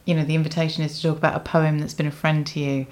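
A woman with a notably low voice leads a literary conversation. She is reflective and tentative, often searching for the phrasing of her question or thought as she goes. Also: little pitch movement, rapid-fire, a little mellow. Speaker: interviewer.

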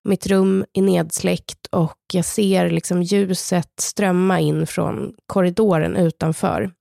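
A woman in her thirties, a podcast co-host, slowly telling a personal story in the present tense in an intimate, measured way. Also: medium pitch, vocal fry, darkish tone, no room sound, studio quality. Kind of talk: personal storytelling, partly read from a script.

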